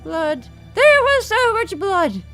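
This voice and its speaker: A woman as a courteous, gentle high-voiced lady healer. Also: big pitch swings, soft background music, exaggerated voice. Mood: solemn. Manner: polite, formal, measured.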